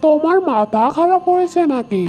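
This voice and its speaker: Cartoon casting: crooked, haughty village jeweller played by a woman, mellow timbre, slightly high pitch, mocking delivery. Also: expressive, fairly quick. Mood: scornful, mocking. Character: greedy, scornful, cheating village jeweller. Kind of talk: animated moral story dialogue. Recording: voice over light background music.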